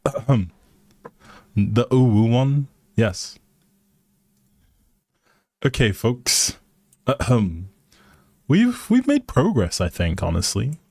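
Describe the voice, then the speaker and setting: A man's voice: mid-range voice, a little mellow, dry recording. A man hosting a casual game livestream, talking to his viewers with playful, teasing informal banter.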